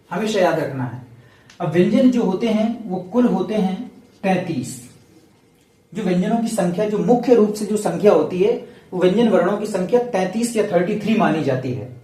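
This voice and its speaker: A man teaching a Hindi grammar lesson to students. He repeats the key points slowly so they stick. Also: high-pitched, mellow, reverberant, distant mic.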